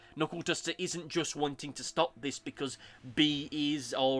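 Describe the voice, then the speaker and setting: With a British accent, a man speaks at a moderate pace in a monotone, flat intonation. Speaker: manga reviewer. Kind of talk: casual review talk to camera.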